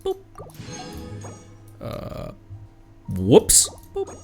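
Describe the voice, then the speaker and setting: A man's voice: mid-range voice, huge pitch swings, very slow, creaky, a little mellow, soft background music. A man chatting casually on a live game stream, thanking viewers and laughing often.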